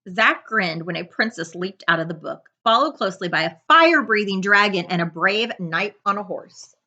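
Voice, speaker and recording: Bright, animated woman reading a picture book. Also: mid-range voice, moderate pace, lo-fi sound. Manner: expressive, dramatic storytelling. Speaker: librarian reading aloud. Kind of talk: children's picture-book read-aloud with asides. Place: living room couch, indoors.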